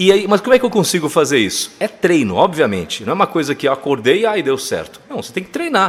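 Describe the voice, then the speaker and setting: Over noticeable background noise, a man talks at a very fast pace. His pitch swings very widely and his loudness shifts a lot. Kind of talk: casual, conversational.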